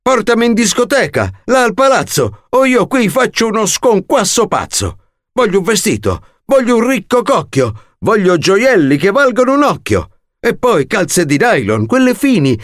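A man's voice: sits high, sing-song, moderate pace, dry recording, clean studio sound, voice pushed up. A man voicing a bratty, demanding young Cinderella who shrieks her rhymed orders. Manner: screeching, bossy rhymed tirade.

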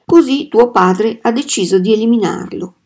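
A woman voicing a farm mother who explains things calmly and matter-of-factly in a storybook reading. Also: a little high, normal speed, close to an everyday voice.

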